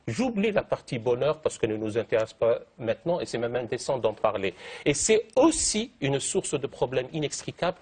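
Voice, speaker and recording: This man, also a televised debate guest, has a mid-range, darkish voice. Eloquence marks his speech: long elaborate sentences, fancy vocabulary, and one synonym stacked on another.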